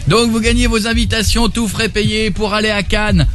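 A man hosting a radio show, joking and teasing his co-hosts in quick banter. He reads out listeners' messages and runs the show's game. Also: sits high, steady tone, fairly bright tone. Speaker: radio host. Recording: radio broadcast with music bed.

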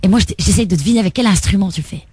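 A woman's voice: medium pitch, racing, a little mellow, a little hiss or hum, close to an everyday voice. Woman putting on an eager, flirtatious Belgian caller. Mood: coaxing, bossy. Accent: put-on Belgian. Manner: exaggeratedly eager, coaxing. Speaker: radio prank caller. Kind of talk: prank phone call in character.

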